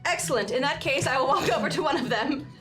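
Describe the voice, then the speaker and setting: High-voiced woman, formal tabletop player. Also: animated, fast, music in the background. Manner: formal, polite phrasing. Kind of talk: playing a tabletop game.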